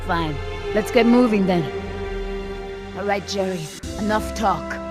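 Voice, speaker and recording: A woman playing a proud, guarded island-born tribal woman in a video game, earnest and deliberate, with a Latin American Spanish accent. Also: medium pitch, close to an everyday voice. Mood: brisk, determined. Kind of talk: dramatic video game cutscene acting. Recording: loud music under the voice.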